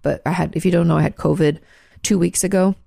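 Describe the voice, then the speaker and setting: A congested American woman with a low, gravelly voice hosts a podcast and answers listener questions. She talks frankly and earnestly in a loose, casual way, with plenty of ums and restarts. Her voice is recorded close up and dry, with no room sound. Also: steady tone, fast, dark tone, no room sound. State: congested, clearing her throat. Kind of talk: casual advice talk.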